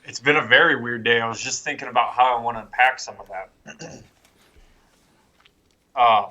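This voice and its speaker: A man's voice: mid-range voice, moderate pace, bright, forceful tone. A man chatting casually as a player in a tabletop role-playing game, describing what his character does. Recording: background music behind the voice.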